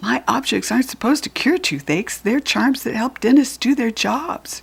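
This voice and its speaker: A female-sounding, put-on character voice, high in pitch, moves at a moderate pace. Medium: read story.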